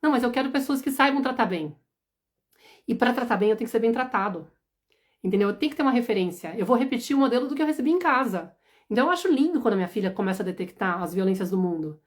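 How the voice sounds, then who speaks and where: A woman in her thirties hosts a casual live stream on parenting. She talks very quickly in a somewhat high voice, animated and emphatic, with frequent "you know?" check-ins. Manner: animated, emphatic, often asks "entendeu?". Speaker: parenting educator and mentor.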